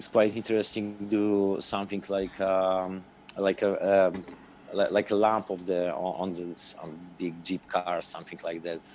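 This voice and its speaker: In a non-native accent, a man with a very deep, low pitch speaks at a moderate pace in a monotone, flat intonation. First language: not English. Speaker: inventor sharing experiments. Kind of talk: casual group video call discussion. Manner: halting.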